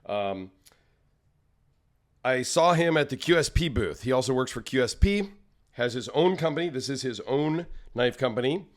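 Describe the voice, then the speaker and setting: A man talks casually straight to camera, his voice a touch raspy and tired after a long trip. He rambles along in a friendly, self-deprecating way at an ordinary mid pitch. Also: expressive, moderate pace. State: slightly raspy, tired from travel. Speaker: knife channel host. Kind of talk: casual solo vlog.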